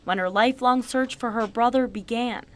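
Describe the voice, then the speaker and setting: American female TV news reporter, higher register, scripted story narration, slight noise underneath. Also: normal speed.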